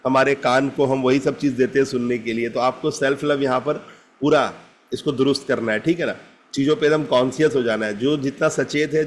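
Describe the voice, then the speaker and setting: Man, middle-aged, self-help coach, live group session, direct and checking in. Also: medium pitch. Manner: direct, addresses participants by name, repeats "ठीक है ना?".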